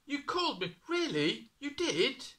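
A man plays an earnest little boy in a storybook reading, speaking in a high, breathless voice much louder than the narration around him. The voice is bright and eager. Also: big pitch swings, a little slow, full character voice.

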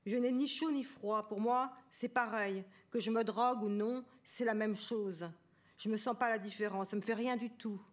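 A woman reading aloud the lines of a troubled man, the narrator's lover, in a quiet, even way. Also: mid-range voice, a little slow, natural voice. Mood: earnest. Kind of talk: literary reading.

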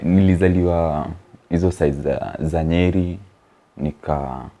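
A young Kenyan man with a very low, deep voice and a Kenyan accent. He is a comedian guest on an interview couch, and he tells his story in a loose, rambling way, chuckling and dropping in slang. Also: unhurried, mellow. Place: TV-style studio set with sofas, indoors.

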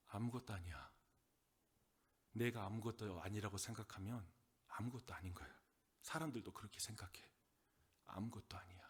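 Husky pastor, loud then whispered. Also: male voice, fairly low pitch. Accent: Gyeongsang Korean. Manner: swings between loud emphatic lines and soft whispered asides. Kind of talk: sermon.

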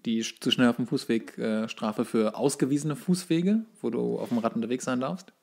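A man's voice: medium pitch, normal speed, gravelly, a little mellow. A man co-hosting a casual podcast, joking along in a sarcastic manner. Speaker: podcast co-host. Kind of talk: casual chat.

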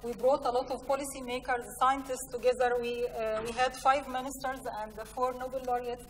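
Higher-voiced Egyptian woman presenting in echoey hall. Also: little pitch movement, a little fast. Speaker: conference speaker, science programme representative. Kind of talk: conference presentation with slides. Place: large conference hall, indoors. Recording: echoey hall, distant mic, faint noise.

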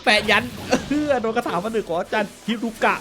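A young man giving playful gameplay commentary, excitable and mouthing sound effects for each attack. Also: sits high, quick pace, very noisy. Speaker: gaming YouTuber. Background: game music.

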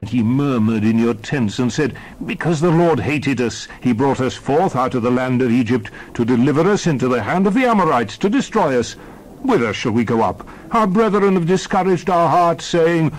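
Man acting earnest Moses, fairly high-pitched. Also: a little mellow, rough recording. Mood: exhorting, reproachful. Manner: emphatic, oratorical. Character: Moses, earnest male leader pleading and exhorting. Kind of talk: dramatized scripture reading.

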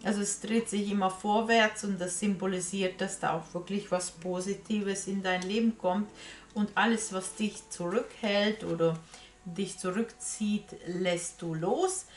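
A woman's voice: mid-range voice, steady tone, measured pace. A woman giving a casual tarot reading to viewers, hesitant in phrasing and often repeating herself, recorded in a small room. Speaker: tarot reader. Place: small room crowded with statues and cards. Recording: roomy echo from camera distance.

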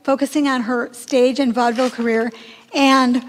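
A woman reads a prepared introduction into a desk microphone in a large hall. Her voice sits high, and her careful reading trips over a few names while the hall's long reverb hangs behind her. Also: fairly even intonation, normal speed, a little hiss or hum. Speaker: event host introducing the speaker. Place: large lecture hall, seated at a lectern.

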